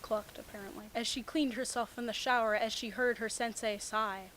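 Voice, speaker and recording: A woman's voice: on the high side, normal speed. A woman reading amateur fiction aloud in a mock-dramatic, snarky, sarcastic way. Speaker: fanfiction reader and commentator. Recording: home recording with steady background hiss. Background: static hiss.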